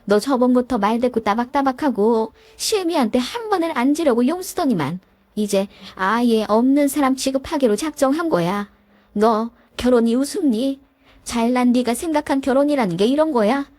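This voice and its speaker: A woman's voice: fairly high pitch, lively intonation, normal speed, darkish tone, dry recording. A woman voicing a domineering older mother-in-law who nags and threatens in a storybook tale. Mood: furious.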